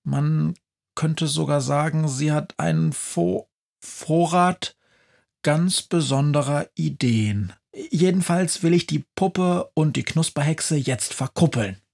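A man voicing a scatterbrained, cheerful female Christmas witch in an audio storybook, talking in breathless, excitable bursts. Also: on the high side, slow pace, vocal fry, voice pushed up. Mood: excited. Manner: breathless, excitable, animated chatter. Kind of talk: storybook narration.

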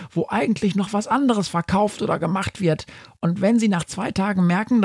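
A man voicing a fussy, pedantic sheep that bleats and nitpicks in a high, strained, raspy voice. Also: dry recording, clean studio sound, full character voice. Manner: bleats, nitpicks, rants fast.

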